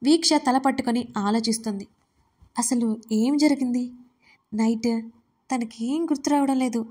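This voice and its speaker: Woman storyteller, audiobook narration, steady and slightly high-pitched. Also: moderate pace, slightly rough.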